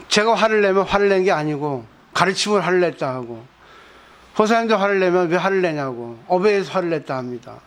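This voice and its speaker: A Buddhist monk giving a sermon at a weekend temple service, teaching conversationally and often putting rhetorical questions to the listeners. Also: male voice, high voice.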